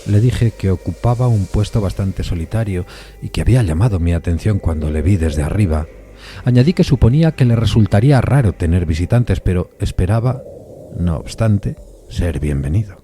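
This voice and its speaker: An actor playing a courteous, uneasy gentleman who recounts an eerie encounter in formal, deliberate suspense narration. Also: deep voice, lively intonation, a little hiss or hum. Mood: measured suspense. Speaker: narrator of an audio drama. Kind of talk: dramatized first-person suspense story narration.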